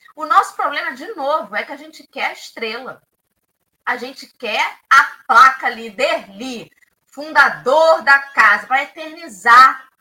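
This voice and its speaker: A woman speaks at a fairly slow pace in a raised, projected voice. Her tone is bright and sharp. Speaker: live stream host. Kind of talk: casual talk on spiritist study, live stream. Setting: video call, live stream.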